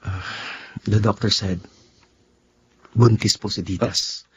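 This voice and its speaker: A Filipino actor playing a gentle, anguished young gay man in a melodramatic radio drama, hesitant and pleading. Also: lowish voice, steady tone, slow, breathy edge, heavily acted. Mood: subdued, hesitant. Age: young adult. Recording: studio radio drama with music underneath.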